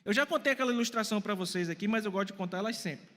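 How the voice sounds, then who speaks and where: A man's voice: high voice, rapid-fire, fairly bright tone, long reverb tail. A man in his forties preaching a sermon to a congregation, putting questions to them and answering them himself. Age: 40s. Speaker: pastor. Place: church hall.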